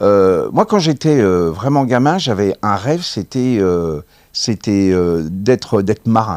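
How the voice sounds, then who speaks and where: Very slowly and with very even loudness, a man at a fairly low pitch speaks with lively intonation in a dry, close sound with no echo. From France, Sarthe (Le Mans). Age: 60s. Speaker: entrepreneur, company founder. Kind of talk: interview.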